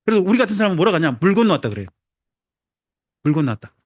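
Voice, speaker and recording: A pastor preaches in a high, animated voice, keeping his sermon chatty and humorous. He keeps putting questions to the congregation. The recording is dry and close, with little room sound. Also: very fast, dry recording. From Jeolla, South Korea.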